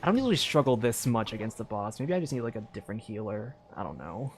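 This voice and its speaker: A woman's voice: very deep voice, big pitch swings, fast talker, background noise. A young woman streaming a video game, chatting casually with her viewers and using lots of fillers. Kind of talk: casual gameplay commentary.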